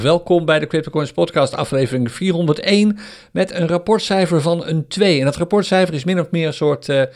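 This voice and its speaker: A man hosting a solo crypto podcast in a chatty style, often pausing with fillers. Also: on the high side, darkish tone. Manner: chatty, hesitant with frequent fillers. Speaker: podcast host.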